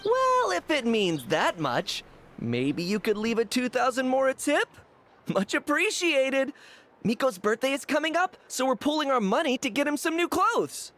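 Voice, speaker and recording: A woman's voice: sits high, sing-song, normal speed, a bit bright, a little hiss or hum. A woman voicing a friendly, practical kid from a children's gang in a video game, earnest with a teasing edge.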